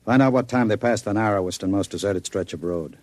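An actor playing a smooth, scheming gangster who talks in a suave, menacing drawl, in a vintage radio drama. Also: male voice, lowish voice, quick pace, a little mellow, dry recording, lightly acted. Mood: commanding. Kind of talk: 1940s radio acting.

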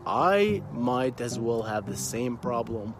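A man in his thirties, a software engineer talking casually to camera, halting and repeating words with plenty of fillers. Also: mid-range voice, big pitch swings, heavy background noise. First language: Arabic.

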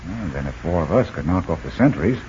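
Jungle Jim, tough jungle hero. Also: male voice, deep voice, very animated, darkish tone. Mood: determined. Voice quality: brisk, tough-talking. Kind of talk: 1940s radio acting. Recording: dull old radio recording, faint hiss.

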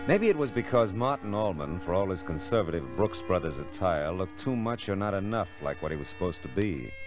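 A hard-boiled private eye from vintage radio drama. His voice is deep and highly animated in pitch, with a laconic, wisecracking bite. Clear music underscores his lines. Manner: wry, laconic, insistent. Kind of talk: 1940s radio detective drama narration and dialogue.

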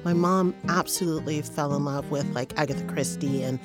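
A woman from Panama who grew up in northern England talks casually as an interview guest. She tells family stories with animation and slips into the voices of relatives. Her voice sits a little low, with music clearly in the background. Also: a little fast. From Panama, raised in northern England. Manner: animated, acts out quoted relatives. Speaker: guest, writer and editor.

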